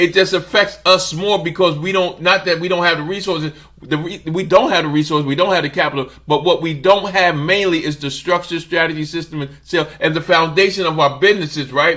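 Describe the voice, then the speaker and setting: A man with a high pitch talks at a fairly quick clip, with hardly any pauses. His tone is bright, sharp and animated. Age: 60s. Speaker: business coach. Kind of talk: live stream talk. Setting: live stream.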